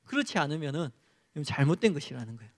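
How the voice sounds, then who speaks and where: A man's voice: a little high, sing-song, fast. A male pastor preaching a sermon and leading a closing prayer in an earnest, exhorting manner.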